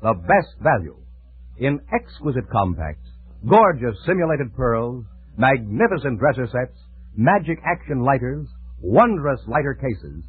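Male announcer, old-time radio, swooping animated pitch, polished and emphatic sponsor reads, narrow tinny band. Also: slightly rough. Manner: polished, emphatic salesman delivery. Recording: tinny band-limited old radio broadcast, faint music.

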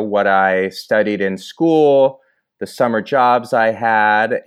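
A man from New England speaks as an interview guest, his voice sitting a little low. He talks in an easygoing, measured way, filling pauses with "you know". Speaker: environmental director, guest. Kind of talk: casual podcast interview.

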